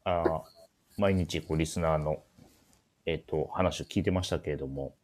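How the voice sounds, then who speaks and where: Guy with a really deep voice hosting a clothing shop radio show, polite, kinda hesitant. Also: normal speed, darkish tone. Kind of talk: casual radio-style talk introducing clothes.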